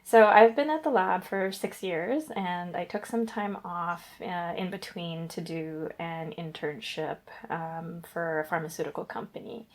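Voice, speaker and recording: A woman's voice: on the low side, unhurried, hardly any pauses. A young woman from Guyana, a guest researcher, answering interview questions in a chatty, rambling way with fillers and self-corrections.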